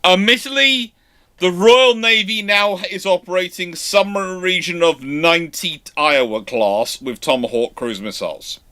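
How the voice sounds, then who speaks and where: Bright-voiced man, halting and stammering. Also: high voice. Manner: halting, stammering false starts and self-repetition. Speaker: host answering live viewer questions. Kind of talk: casual chat, live question and answer.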